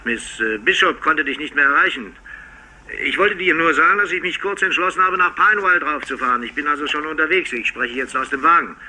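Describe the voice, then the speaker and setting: Sharp, husky businessman on a taped car phone. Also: a little high, a little fast, low-quality recording. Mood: businesslike. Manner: casual, businesslike. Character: brisk, affable industrialist husband leaving phone message. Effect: car phone recorded on tape. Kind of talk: dubbed TV crime drama acting.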